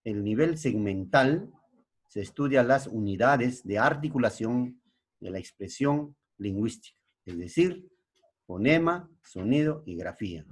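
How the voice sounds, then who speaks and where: A secondary school language teacher with a husky voice and a Peruvian Spanish accent explains a classroom lesson slowly and expressively. His pitch is an ordinary middle, and he often pauses to check in with his students.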